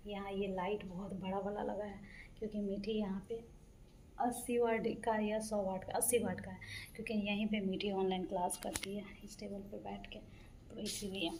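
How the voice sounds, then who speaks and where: एक युवा माँ घर पर फ़ोन कैमरे के सामने खुलकर, इधर-उधर की बातें करती हुई, बीच-बीच में भराव शब्दों के साथ।. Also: female voice, mid-range voice, mellow, slight background noise. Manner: chatty, loose and rambling, with many fillers. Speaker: vlogger, mother of two. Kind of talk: casual vlog chat. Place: at home.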